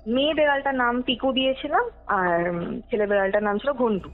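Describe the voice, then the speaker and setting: On a tinny phone line with music playing underneath, a young woman from West Bengal, India tells her true ghost story as a podcast guest. Her voice is a little high and brisk, and she chats casually, slipping in English words and checking that her listener is keeping up.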